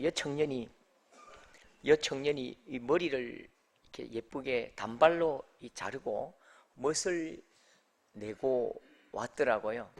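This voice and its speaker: A male pastor preaching a sermon, telling folksy stories with acted-out quotes. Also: medium pitch.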